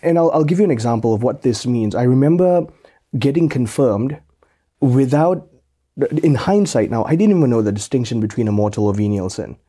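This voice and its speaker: A man's voice: medium pitch, lively intonation, a little fast, dark tone, breathy edge. A man from Malaysia, a guest explaining things articulately with some repeated starts. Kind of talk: interview storytelling.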